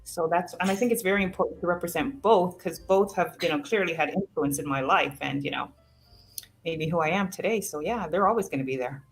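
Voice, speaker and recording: Content creator guest, somewhat low-voiced woman, frank and sassy, soft music under her. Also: fairly quick, rough recording. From Jamaica, raised in Canada. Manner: sassy and encouraging, says "honey". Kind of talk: casual interview talk.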